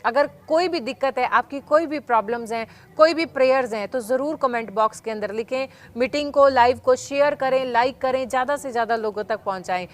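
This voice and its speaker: A woman's voice: sits high, fairly quick, hardly any pauses, faint music behind. A woman preaching fervently to an online congregation, urging viewers to share the meeting and send testimonies, and telling a story with acted-out voices. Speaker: church presenter. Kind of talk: evangelistic sermon for a livestream.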